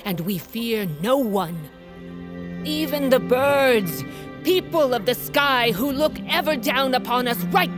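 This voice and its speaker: An actress playing a stern, middle-aged tribal queen in a fantasy audio drama, speaking in a formal, declamatory and commanding way. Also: a little high. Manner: imperious, declamatory, formal speech.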